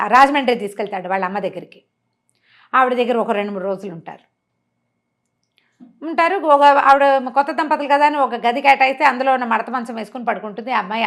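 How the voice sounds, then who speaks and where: A woman storyteller retelling a story in a conversational, expressive way, mixing in some English words. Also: on the high side. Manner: expressive, acts out characters' dialogue.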